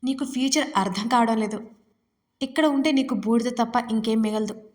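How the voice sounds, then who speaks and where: A woman's voice: fairly high pitch, moderate pace, big-room sound, lightly acted. A woman voicing an angry, stubborn young husband who scolds his wife impatiently in an audio story.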